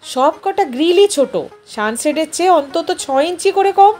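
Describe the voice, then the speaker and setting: A woman's voice: extremely high pitch, expressive, normal speed, mellow, pitched above the performer's own voice. A woman voicing a fussy, indignant middle-aged wife who nags and complains, in an audio story. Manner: nagging, complaining. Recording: music behind the voice.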